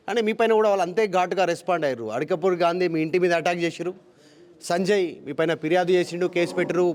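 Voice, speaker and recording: Quick, pressing male reporter. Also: fairly high pitch. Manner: pointed, pressing questioner. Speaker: news reporter. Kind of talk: news interview questions.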